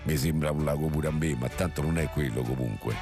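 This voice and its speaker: An extremely low-voiced studio director in a radio comedy. He is blunt, casual and unbothered, with music clearly playing behind him. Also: fairly quick. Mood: offhand, blunt. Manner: casual, offhand. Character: unbothered, blunt male control-room director. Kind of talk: comedy radio quiz sketch.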